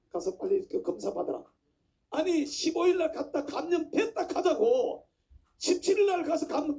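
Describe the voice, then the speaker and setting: A male preacher delivers a fervent sermon, pressing his point with rhetorical questions. His voice sits very high yet sounds mellow and dark, with a gravelly edge. The recording is dull and lo-fi. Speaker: pastor. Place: church pulpit.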